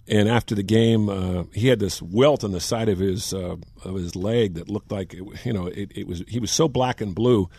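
A man in his sixties, a longtime sports broadcaster, telling animated anecdotes in casual chat. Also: on the low side, moderate pace, hardly any pauses, husky, no echo, clean studio sound. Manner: animated anecdotes, acts out quotes.

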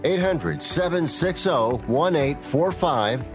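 A man in a radio ad reading out a phone number deliberately. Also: a little high, lively intonation, over music. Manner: slow, deliberate. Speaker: ad announcer.

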